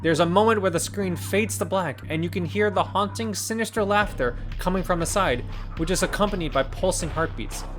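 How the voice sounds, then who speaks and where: A man's voice: high-pitched, brisk, faint music behind. A man reading a scripted review narration as the host. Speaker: video game reviewer and host.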